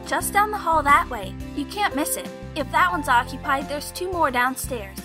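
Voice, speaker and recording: A woman's voice: high voice, lively intonation, normal speed, music in the background. A woman playing a chirpy young woman in an audio drama, enthusiastic and earnest about old monster lore. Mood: casual, breezy.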